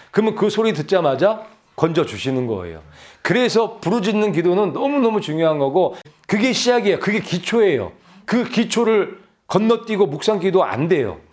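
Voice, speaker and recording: A man's voice: sits high, big pitch swings, moderate pace, a little mellow. A male pastor preaching a sermon, exhorting his congregation with rhetorical questions and repeated phrases. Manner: addresses the congregation directly.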